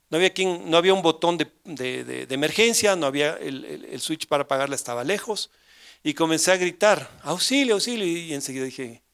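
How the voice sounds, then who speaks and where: A man with an Ecuadorian Spanish accent preaching a sermon at a church service, telling a personal testimony with emphatic rhetorical questions and sudden swings between soft and loud. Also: fairly high pitch. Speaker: pastor.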